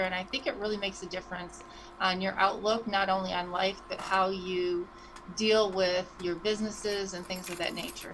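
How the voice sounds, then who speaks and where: A woman, co-hosting a business show in casual, animated chat. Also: mid-range voice, background noise. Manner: chatty and animated, voices her own thoughts in quick asides. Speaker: co-host of a franchise business livestream.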